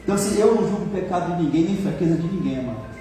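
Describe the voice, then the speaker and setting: A man's voice: high voice, expressive, racing, mellow, faint music behind. A Brazilian man preaching a sermon as pastor, colloquial and joking, building to emphatic exhortation. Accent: Brazilian Portuguese. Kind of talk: sermon with personal testimony. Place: church hall. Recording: echoey church hall from far off.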